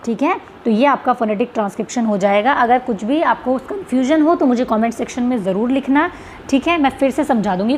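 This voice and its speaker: High-voiced woman teaching phonetics. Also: a little mellow, a little hiss or hum. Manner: explanatory, repeats "ठीक है" and rhetorical questions; reads English questions slowly. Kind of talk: Hindi exam-prep lesson on English phonetics.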